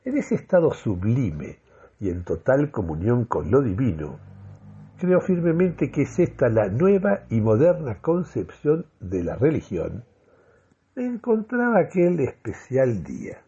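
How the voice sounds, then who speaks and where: An actor playing a euphoric, deluded man who solemnly delivers a grandiloquent radio monologue with deliberate, dramatic pauses. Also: mid-range voice, very animated, warm tone, husky, dull audio, exaggerated voice. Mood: solemn, exalted. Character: euphoric, deluded man convinced of mystical energy communication. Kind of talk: theatrical first-person radio monologue.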